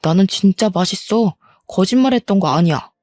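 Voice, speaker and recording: A woman voicing a young husband who talks in a soft, placating way. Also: medium pitch, expressive, moderate pace, dry recording, soft background music, close to an everyday voice. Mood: soothing. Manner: soft, soothing.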